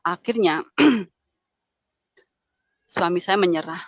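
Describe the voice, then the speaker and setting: A middle-aged woman with a lowish voice speaks slowly, telling an emotional personal testimony in a casual storytelling style, repeating herself and acting out dialogue. There's no room sound, and the recording is dull and lo-fi.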